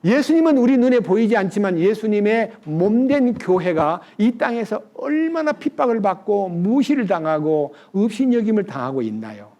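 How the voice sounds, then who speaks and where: High-voiced mellow male pastor preaching. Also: big pitch swings, normal speed, few pauses, muffled recording. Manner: conversational preaching with rhetorical questions to the congregation. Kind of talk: sermon.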